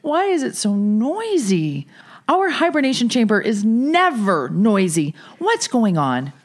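A woman's voice: fairly high pitch, very animated, unhurried. A woman voicing a grouchy, sleepy tortoise in a children's audio story, sighing and grumbling sluggishly. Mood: drowsy, confused.

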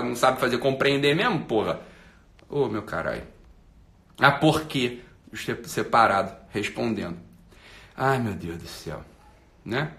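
A man's voice: on the high side, sharp tone. A Brazilian man with a Brazilian Portuguese accent, a self-help coach ranting bluntly and profanely at comments, in an echoey room.

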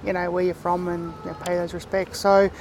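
A man with an Aboriginal Australian accent speaks in a fairly high register with little melodic swing and a touch of creak. He talks reflectively as an interview guest, explaining as he goes and pausing mid-thought. Light outdoor noise sits behind him. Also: flat delivery, a little mellow, poor audio. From Far East Gippsland, Victoria, Australia. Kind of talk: reflective casual interview talk.

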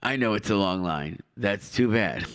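A man's voice: on the low side, lively intonation, moderate pace, a bit bright, clear, resonant tone, pitched below the performer's own voice. A man voicing an officious airline check-in announcer, formally sorting passengers with mock-official instructions.

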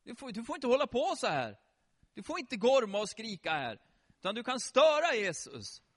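A man voicing stern male disciples who scold a beggar to keep quiet. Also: extremely high pitch, huge pitch swings, long reverb tail, pitched above the performer's own voice, heavily acted. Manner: scolding, bossy.

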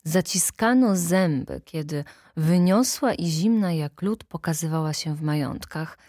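Low-voiced woman reading a story. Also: expressive, a little slow, warm tone, no room sound, studio quality. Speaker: narrator. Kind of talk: audiobook reading.

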